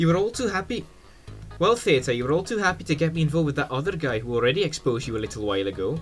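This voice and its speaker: Very fast speech from a man at a fairly high pitch, with very wide pitch swings and music in the background. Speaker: YouTuber. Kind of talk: drama commentary script read.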